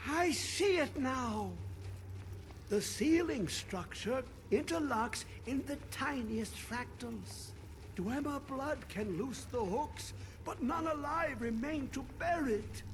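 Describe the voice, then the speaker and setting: An actor playing a mad, obsessed old scholar in a fantasy game, rambling rapturously in cryptic, poetic phrases. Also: male voice, very high voice, noisy background, exaggerated voice. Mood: manic wonder. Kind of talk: theatrical fantasy game acting.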